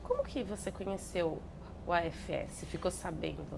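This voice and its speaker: Woman interviewer, low and gravelly, quiet attentive prompts, distant mic with clear hiss. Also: lively intonation, moderate pace. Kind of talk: oral history interview.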